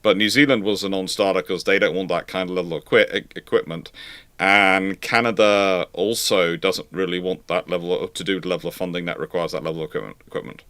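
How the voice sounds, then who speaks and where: A man giving informal expert commentary as he answers questions on a live show, emphatic and correcting, often halting and repeating words. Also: deep voice, fairly even intonation, a bit bright, clear, resonant tone, no echo. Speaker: host of a naval history live Q&A.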